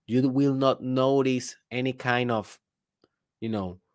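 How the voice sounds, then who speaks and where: This business coach, a native Spanish speaker with a Spanish accent, speaks slowly with a steady tone at a medium pitch. Alone at the mic, he gives an emphatic motivational talk, frequently directing rhetorical questions at the listener.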